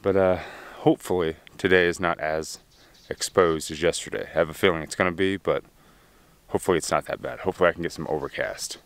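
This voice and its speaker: Low, smooth-voiced man in his thirties, casual outdoor hiking vlog, handheld camera, easygoing and upbeat. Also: fast, dry recording. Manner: relaxed, upbeat, trailing off into low mutters. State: slightly winded from climbing. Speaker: thru-hiker vlogger. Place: outdoors in open desert. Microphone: handheld camera at arm's length.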